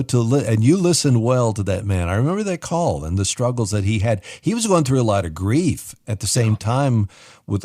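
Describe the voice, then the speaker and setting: A man's voice: mid-range voice, darkish tone, dry recording, clean studio sound. A man co-hosting a radio advice show, leading into calls in a friendly presenter way. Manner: smooth, friendly presenter, reads phone numbers. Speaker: radio co-host.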